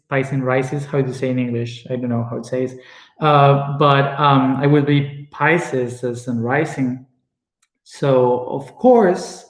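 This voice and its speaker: A young man with an Argentine accent and Spanish as his first language, talking to his viewers in a casual personal monologue and often pausing to search for words. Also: mid-range voice. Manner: searching for words, many fillers and restarts. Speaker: spiritual speaker. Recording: echoey room.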